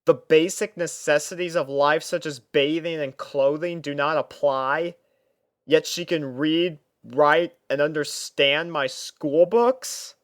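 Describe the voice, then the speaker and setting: A man's voice: fairly high pitch, takes it slowly, no room sound, clean studio sound. A man reading a first-person fan fiction story as narrator, dramatising the character's thoughts.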